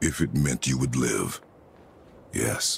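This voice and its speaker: A man puts on a character voice. It is raspy and very deep and low in pitch. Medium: video game. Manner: terse, low, measured.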